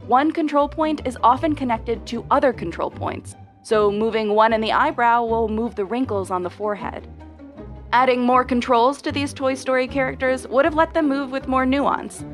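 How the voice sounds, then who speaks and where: A woman giving scripted narration for an explainer video, clear and measured. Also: fairly high pitch.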